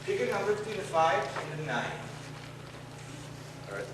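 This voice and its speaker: A man playing a brash, shady Russian gypsy carnival magician, with a Russian accent and deadpan, mock-formal broken English, doing vaudeville comedy patter on stage. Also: high voice, moderate pace. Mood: instructing, sly. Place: large theater stage. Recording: echoey theater, distant mic, noisy.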